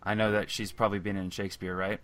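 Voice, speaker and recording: A man with a low voice hosts a relaxed commentary chat. He asks questions with plenty of hesitant fillers and answers with easy, agreeable replies. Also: fast talker, clean tone. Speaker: commentary host.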